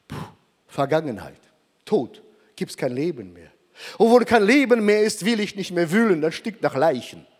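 An older man preaching a sermon, emphatic and slowing down for dramatic pauses. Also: high voice, in a large hall.

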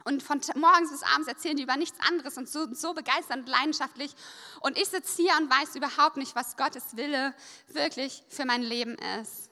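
A woman preaching a sermon in a lively, conversational way, pausing so an interpreter can follow. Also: sits high. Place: church service hall. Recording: long reverb of a church hall.

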